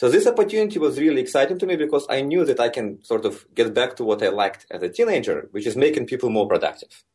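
Talking quickly at a medium pitch with a slightly rough edge, this man in his thirties from Russia has a Russian accent. As an interview guest, the software engineer describes his job in a relaxed, explanatory way full of fillers such as "like" and "you know."

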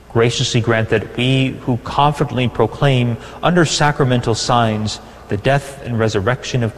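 A male priest leads the Mass in a steady, solemn cadence. His voice has a mid pitch and carries a long, cathedral-like echo through the chapel. A faint hum sits underneath. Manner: measured, solemn prayer cadence. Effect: long cathedral-like reverb of a chapel. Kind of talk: liturgical recitation at Mass.

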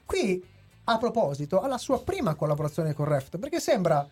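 Husky man reading a review. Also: high voice, big pitch swings, normal speed, darkish tone, soft background music. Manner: reads a prepared review with hesitations. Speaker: podcast host. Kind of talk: casual chat and read review.

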